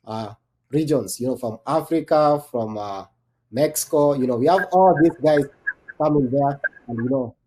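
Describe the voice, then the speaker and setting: A man's voice: on the high side, warm tone. A Kenyan-born man and army veteran, speaking as a guest on a panel discussion, talking loosely with many restarts and fillers.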